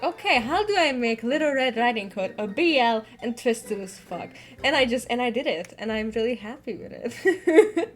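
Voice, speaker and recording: Giggly, chatty young-sounding woman. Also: on the high side. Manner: giggly, chatty, laughs often between sentences; casual with frequent swearing. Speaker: webcomic artist answering fan comments. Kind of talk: casual Q&A chat.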